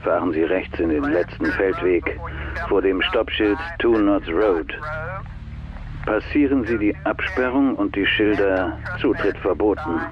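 A man's voice: lowish voice, lightly acted. A man playing a menacing, controlled killer giving instructions by phone in a dubbed documentary re-enactment. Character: menacing male killer phoning with cold instructions. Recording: dull lo-fi call, busy background noise.

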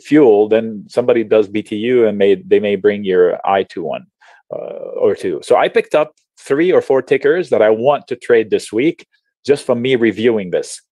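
A man's voice: fairly low pitch, dry recording. Chatty Lebanese-born man teaching trades. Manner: animated, restarts often, mixes in slang. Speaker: options trading educator. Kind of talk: casual webinar explanation while sharing charts. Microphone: video call.

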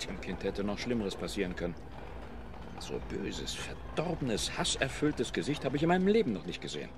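An actor playing a decent, grave doctor in a radio drama, firm and disapproving. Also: male voice, on the low side, very animated, moderate pace, noisy background. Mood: grave, outraged. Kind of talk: German radio play acting.

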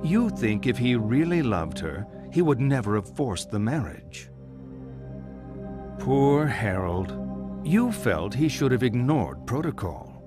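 An actor playing a composed middle-aged male psychiatrist in a video game, telling things in a deliberate, theatrical way. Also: mid-range voice, very animated, over music. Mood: pointed, measured. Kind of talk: dramatic video game monologue.

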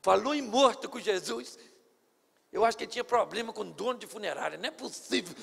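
A man's voice: high-pitched, brisk, creaky, a bit bright, husky, big-room sound. A male pastor preaching a sermon at a church service, theatrical and playful.

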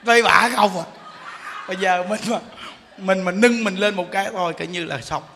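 High, sharp-voiced monk preaching with humor. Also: male voice, moderate pace, long reverb tail, a little hiss or hum. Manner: jokey and animated, often laughing while speaking. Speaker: Buddhist monk giving a dharma talk. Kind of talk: humorous Buddhist sermon.

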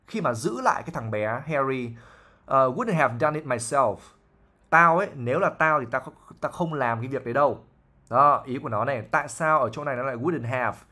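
A man's voice: medium pitch, sharp tone. A man, an English teacher patiently explaining a novel line by line, with fillers and frequent checks for understanding.

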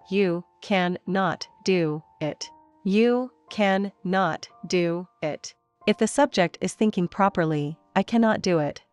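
A woman reading a nonfiction audiobook in a steady, measured way, slowing down to stress quoted commands. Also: lowish voice. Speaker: audiobook reader. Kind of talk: scripted nonfiction narration.

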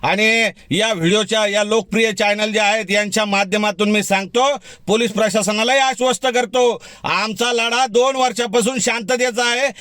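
A man speaks straight to the listener in a heated, defiant rebuttal. His voice is high and bright, and it comes through dry and close with no room around it. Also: fairly even intonation, normal speed, no room sound. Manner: defiant, heated, direct address. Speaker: community activist. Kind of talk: fiery video rebuttal.

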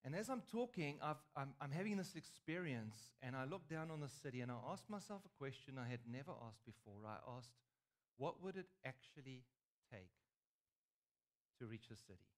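Man, South African accent, forties, guest preacher, lively storytelling, joking asides, church stage. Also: mid-range voice, normal speed. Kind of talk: storytelling sermon. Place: large stage in a church hall.

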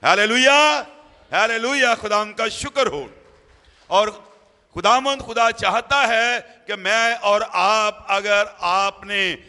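A man in his forties preaching a sermon into a handheld microphone in a church hall, emphatic and repetitive, swinging between loud and soft. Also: sits high. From Pakistan. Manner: emphatic, repeats key phrases, rises and drops sharply. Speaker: evangelist preacher. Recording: long reverb of a hall.

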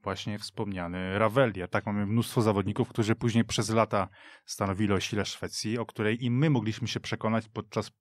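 A man's voice: fairly low pitch, fairly even intonation, brisk, no room sound. A man talking football as a radio studio guest, speaking fluently and reeling off names and details. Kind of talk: casual sports discussion.

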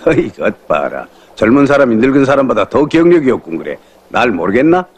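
An actor playing a fatherly North Korean party secretary in his sixties, a calm old veteran with a husky voice. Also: medium pitch, a little fast. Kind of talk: film drama acting.

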